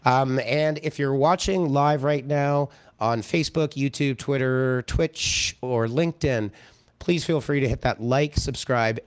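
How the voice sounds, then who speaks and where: A man hosting a business podcast in a casual, upbeat interview style, his voice slightly hoarse. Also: medium pitch, no room sound. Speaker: podcast host.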